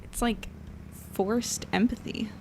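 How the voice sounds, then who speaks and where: A woman playing a friendly, wide-eyed young visitor in an audio drama, speaking in a casual, gentle, curious way. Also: on the high side, fairly even intonation, slow pace. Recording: clear background noise and ambience.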